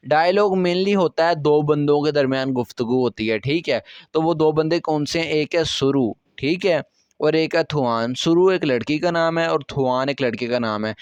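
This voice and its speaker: A man's voice: fairly high pitch, moderate pace, smooth, no echo, highs cut off. A man with an Urdu accent explaining a textbook language lesson, patient and repetitive, often checking that his listeners follow. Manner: patient, repeats key words, checks with "theek hai". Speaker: Korean language teacher.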